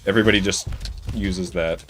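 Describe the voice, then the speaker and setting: A man's voice: sits low, steady tone, a little fast, fairly bright tone. A young man with a Midwestern American accent, chatting casually and rambling with chuckles while he streams a game. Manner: rambling, chuckling, lots of fillers. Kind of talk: casual chat while gaming. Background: game audio and music.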